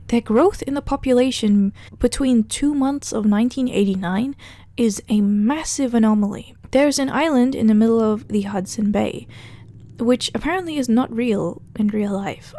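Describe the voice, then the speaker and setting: A woman with a fairly high voice and a very soft, mellow tone narrates a video essay. She talks conversationally, recapping and commenting as she goes, with a dry, sardonic edge. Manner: conversational, wry, sardonic asides. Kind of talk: casual narrated recap and commentary of a horror web series.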